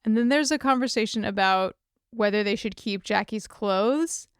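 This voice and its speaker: A woman's voice: medium pitch, normal speed, clean tone, dry recording, studio quality. A woman co-hosting a podcast, casually narrating the beats of an episode in an easygoing way. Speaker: podcast co-host. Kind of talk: casual recap chat.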